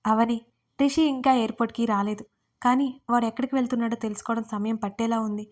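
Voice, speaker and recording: A woman's voice: on the high side, fairly even intonation, fast, a little mellow, lightly acted. A woman voicing a worried, caring young male friend in an audio story, soothing and concerned. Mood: reassuring.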